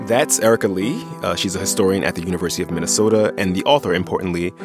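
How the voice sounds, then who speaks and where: A man's voice: sits low, very fast, music in the background. A man co-hosting a podcast, explaining things in a conversational way, close to the microphone. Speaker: podcast co-host. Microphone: close studio microphone.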